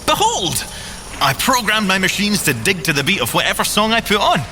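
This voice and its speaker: An actor playing a boyish, excitable, boastful inventor agent in audio drama banter, with a theatrical delivery. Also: male voice, high voice, brisk, over music. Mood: excited, showy. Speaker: agent and engineer character.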